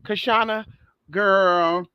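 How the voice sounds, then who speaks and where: A woman's voice: medium pitch, steady tone, very slow, clean tone, dry recording, highs cut off. A trans woman vlogging in a sassy, profane monologue, calling listeners girl, honey and baby and repeating phrases for emphasis. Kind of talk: casual monologue rant.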